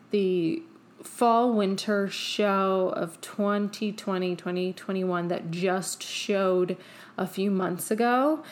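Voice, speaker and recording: Effusive woman podcast host, non-native English speaker. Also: mid-range voice. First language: not English. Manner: effusive, emphatic, tangential, peppered with "like". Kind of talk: casual opinionated solo podcast talk.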